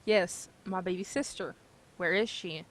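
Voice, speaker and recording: A woman voicing a distressed young heroine in a story, quiet, halting and disbelieving. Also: lowish voice, lightly acted. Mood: shocked, worried. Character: distressed young heroine seeking her baby sister.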